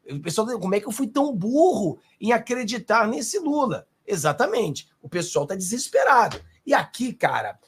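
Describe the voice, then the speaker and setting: A host with a Brazilian accent delivers political commentary directly to his viewers, animated and sarcastic. His voice is a little high and husky.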